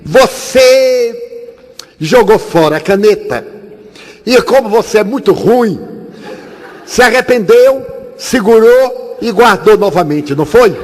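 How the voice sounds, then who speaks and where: A man's voice: high-pitched, lively intonation, takes it slowly, pauses often, pitched above the performer's own voice. A man voicing a bold, mischievous little boy who catches an adult out. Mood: cheeky. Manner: mischievous, accusing. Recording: echoey hall, faint hiss.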